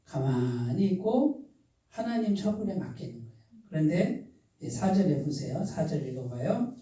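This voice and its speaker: Preaching in a church sanctuary, a man pastor often pauses after questions to let the congregation respond. His slightly high, dark voice has big pitch swings and moves at a moderate pace. It's captured from a distance in a very echoey space.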